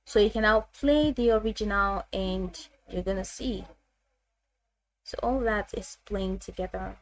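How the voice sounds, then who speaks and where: A woman with a mid-range voice hosts a software tutorial. She explains each step casually and haltingly, often circling back to repeat a phrase before moving on. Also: medium pitch, low-quality recording.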